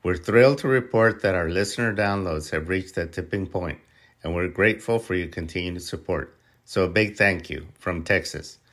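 A man hosting an interview podcast, opening with a formal, measured introduction before asking his guest questions. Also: sits low, a bit bright. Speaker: podcast host. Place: Texas.

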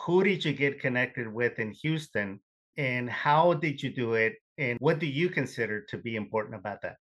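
A man hosting an interview program, reading a polished introduction and then asking measured questions. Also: medium pitch, expressive, a bit bright, highs cut off. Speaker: host.

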